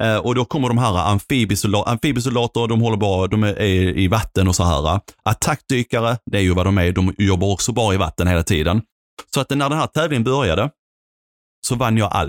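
A man with a normal speaking voice and fairly low pitch talks at a fairly quick pace with lively intonation. The sound is dry and close with no echo, in a very clean recording with a silent background. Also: very even loudness. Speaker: podcast co-host. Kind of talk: casual chat.

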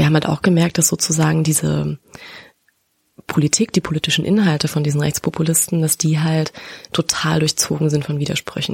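Monotone, flat intonation carries the words along at a fairly quick pace. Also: woman, very deep, low pitch for a woman. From Saxony, eastern Germany. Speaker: policy officer at a political foundation. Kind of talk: interview.

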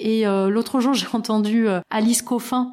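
This woman's voice is fairly high in pitch. She speaks at a moderate pace with fairly even intonation. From France, Kabyle immigrant family. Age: 50s. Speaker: filmmaker. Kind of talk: interview. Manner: halting.

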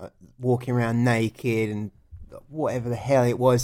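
A man with an English accent, medium pitch, and a monotone, flat delivery. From southern England, Hertfordshire. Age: 40s. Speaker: skateboarder and artist. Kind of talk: casual interview chat. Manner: halting, many fillers and restarts.

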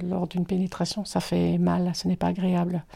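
Against a very clean recording with a silent background, a woman speaks at a moderate pace. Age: 60s. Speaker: anonymous testimony contributor. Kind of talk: testimony.

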